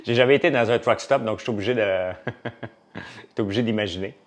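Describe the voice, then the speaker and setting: A man's voice: lowish voice, fast. A man with a Québécois French accent, a farmer and business owner, chatting casually to a live audience and rambling from topic to topic with many fillers.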